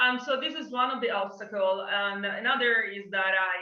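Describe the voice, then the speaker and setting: The speaker has an Italian accent and a moderate pace. Audible room echo is present. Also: woman. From Italy. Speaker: space engineer and scientist. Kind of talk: interview. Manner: halting, many fillers and restarts.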